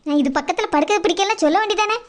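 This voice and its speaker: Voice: very high voice, very fast, very noisy. A performer voicing a grumbling, suspicious village woman in a cartoon, complaining and accusing in a southern Tamil Nadu accent. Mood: suspicious, annoyed. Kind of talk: Tamil cartoon character dialogue.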